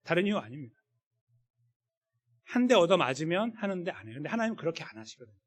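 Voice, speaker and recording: Guy preaching in a church, casual talky sermon, pitch jumps all over, big echoey hall. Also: sing-song, quick pace. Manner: conversational, acts out quoted voices. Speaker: pastor. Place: church sanctuary.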